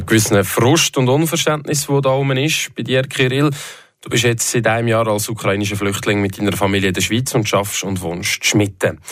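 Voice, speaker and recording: A male radio host, moderating an interview in a relaxed, conversational way. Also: mid-range voice, no echo, clean studio sound.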